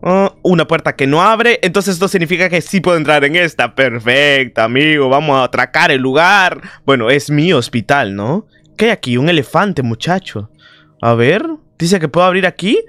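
A man's voice: on the high side, normal speed, bright, forceful tone, no echo. A man with a sore throat giving joking, chatty commentary while playing a horror game and talking to his viewers. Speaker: gaming video host. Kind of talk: playthrough commentary.

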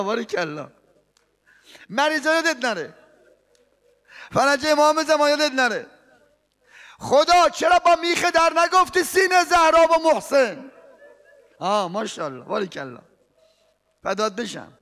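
A man preaching a mourning sermon with chanted lament, swinging between hushed murmurs and shouts. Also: very high voice, very animated, pauses often. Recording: long hall reverb.

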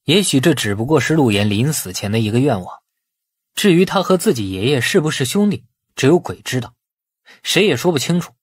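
A man's voice: medium pitch, big pitch swings, fairly quick, slightly rough, dry recording, studio quality. A man narrating a novel as a scripted dramatic audiobook.

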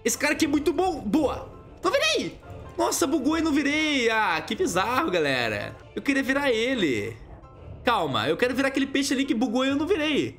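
Excitable Brazilian gamer, lively pitch. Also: male voice, a little fast, soft background music. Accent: Brazilian Portuguese. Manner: excitable, yelps and laughs, talks to viewers as "galera" and "manos". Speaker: gaming YouTuber. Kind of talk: excited let's-play commentary.

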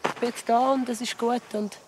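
A woman's voice: on the high side, steady tone, fairly quick, noisy background. A woman in her thirties with a Swiss German accent, chatting casually on a snowy mountain glacier. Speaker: ski tourer. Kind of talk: casual chat to camera.

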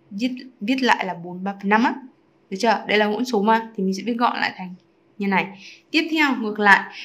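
A woman teacher explaining fractions in an online lesson, chatty and often checking in with her students through quick rhetorical questions. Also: mid-range voice, fairly bright tone. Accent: Vietnamese. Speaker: math teacher.

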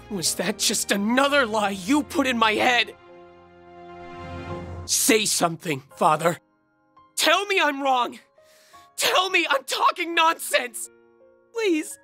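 An actor playing a reckless, thrill-seeking young man in a video game, emotional and sardonic, with a husky voice. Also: very high voice, bright, forceful tone, heavily acted. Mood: desperate pleading. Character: reckless thrill-seeking young man, betrayed creation pleading with his father. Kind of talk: dramatic video game voice acting.

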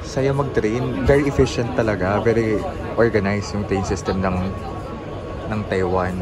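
A man's voice: lowish voice, fairly even intonation, moderate pace, loud music behind the voice. A young Filipino man with a Filipino accent, chatting playfully as a travel vlogger on his phone. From Philippines. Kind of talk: casual travel vlog chat. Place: busy train station and city street at night. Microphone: handheld phone selfie at arm's length.

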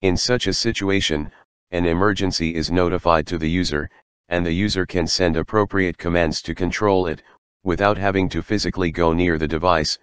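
A man reads a written passage aloud in a measured, formal manner. His voice is very low and smooth, with a dry sound free of room echo. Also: fairly even intonation, fairly bright tone. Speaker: reader of model answers for an English speaking test. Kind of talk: scripted read-aloud.

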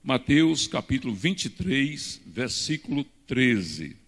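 A man's voice: medium pitch, sing-song, slow. An older man from Brazil, a pastor preaching a teaching sermon at a pulpit into a handheld mic, with emphatic rises and gestures. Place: church stage at a pulpit. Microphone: handheld microphone. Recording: reverberant church hall.

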